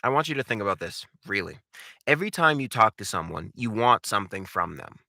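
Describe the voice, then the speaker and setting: A man giving an instructional monologue as a voice acting coach, speaking emphatically and deliberately, with dramatic pauses and repeated phrases. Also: fairly low pitch, big pitch swings, gravelly, bright, forceful tone, no echo, clean studio sound.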